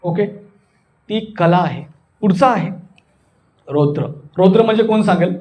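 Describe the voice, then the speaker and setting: High-voiced, theatrical male Marathi teacher. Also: measured pace, a little mellow. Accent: Marathi, Maharashtra. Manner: theatrical, questioning the listeners. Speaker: voice and public speaking workshop instructor. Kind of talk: animated classroom teaching with acted demonstrations.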